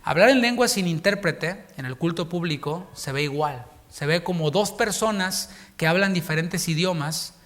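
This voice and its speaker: Mexican pastor, man, fairly high voice, preaches to his congregation, reads verses slowly and breaks them down with jokes. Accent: Mexican Spanish. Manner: reads scripture slowly, then explains in lively joking asides. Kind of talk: sermon. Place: church congregation.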